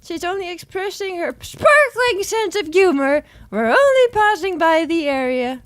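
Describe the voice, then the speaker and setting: A woman voicing a courteous, gentle lady healer in a fantasy game, speaking in a polite, formal, measured way. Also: very high-pitched, sing-song, no echo, full character voice.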